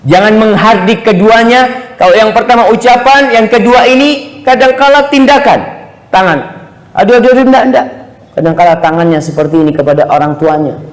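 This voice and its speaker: A man preaching a sermon to a congregation in an animated way, often slipping into voices when he quotes people. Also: sits high, fairly quick. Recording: echoey hall with long reverb.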